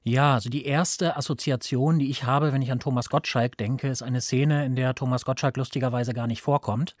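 A man's voice: mid-range voice, fairly even intonation, fairly quick, no echo, studio quality. A middle-aged man talking reflectively and analytically in a radio discussion, with some hesitation. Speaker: studio guest discussing film and television.

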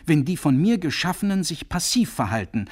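A man's voice: on the high side, big pitch swings, brisk, slightly rough, pitched above the performer's own voice. A man doing a bellowing, domineering professor. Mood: ranting. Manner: lecturing, loud, insistent. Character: booming domineering male professor, shouts down interruptions. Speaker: reader. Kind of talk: dramatic radio reading.

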